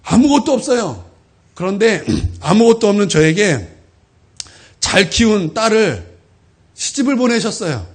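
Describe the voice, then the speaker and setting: High-voiced, animated Korean pastor preaching. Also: male voice, measured pace, pauses often. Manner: emotional, heartfelt testimony to the congregation. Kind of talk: sermon.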